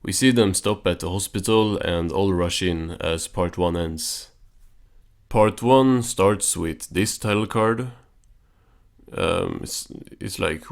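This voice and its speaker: Casting: man with a low voice, offhand and understated, casual cartoon recap narration. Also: steady tone, slow pace, vocal fry.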